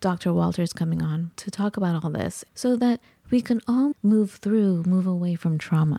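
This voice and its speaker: Close and dry with no echo, a woman's somewhat breathy voice has a dark, mellow tone and lively intonation. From immigrant, Farsi-speaking background. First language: Farsi and English. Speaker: podcast host. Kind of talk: casual chat. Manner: animated.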